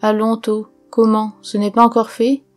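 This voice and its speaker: A woman's voice: a little high, completely flat delivery, moderate pace, lightly acted. A woman reading the part of a jovial old merchant who calls out cheerfully to his apprentices. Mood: jolly.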